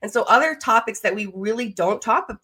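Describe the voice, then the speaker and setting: A woman's voice: on the high side, lively intonation, fairly quick, pushed and bright. A woman in her thirties with an American accent, chatty and enthusiastic as she hosts a conversational interview podcast. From Las Vegas, United States. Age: 30s. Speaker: podcast host.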